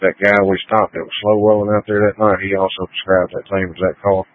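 Low-voiced male officer over a two-way radio. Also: little pitch movement, brisk, no echo. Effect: heard over a two-way police radio. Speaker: police officer on patrol. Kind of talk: clipped radio codes and plate readouts. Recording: tinny, dry radio transmission.

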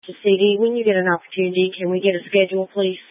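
A woman giving brisk, clipped dispatch calls over a walkie talkie. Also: medium pitch, flat delivery, dry recording. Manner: brisk, clipped call codes. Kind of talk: terse radio dispatch calls. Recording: tinny two-way radio, dry.

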